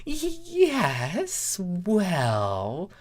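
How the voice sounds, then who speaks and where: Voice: medium pitch, wildly swooping pitch, drawn-out words, voice pushed up, full character voice. A performer voicing a prim, awkwardly polite female pony in a cartoon fan story. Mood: polite, flustered.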